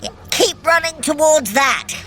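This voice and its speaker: Woman as boastful scheming trickster god, unhurried, animated pitch, grandiose, theatrical audio drama delivery. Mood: encouraging, pleased. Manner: grandiose, theatrical, self-satisfied. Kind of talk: audio drama acting, addressing the listener.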